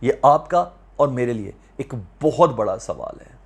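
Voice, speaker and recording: A gravelly, medium-pitched voice carries this animated yet unhurried current affairs commentary. The speaker, a Pakistani-accented man hosting a news commentary video channel, is emphatic, repeats phrases, asks rhetorical questions, and weaves English words into his talk.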